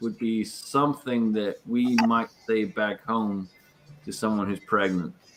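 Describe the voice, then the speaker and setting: A man at a medium pitch, with ordinary pitch variation and a fairly slow pace, over noticeable background noise. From Scotland. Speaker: podcast panelist. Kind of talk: casual chat.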